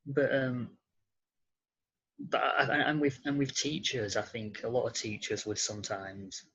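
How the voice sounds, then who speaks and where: A young British man answering interview questions casually, in a hesitant, halting way with repeated starts. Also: medium pitch, flat delivery, a bit bright, breathy edge, lo-fi sound. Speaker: interview guest.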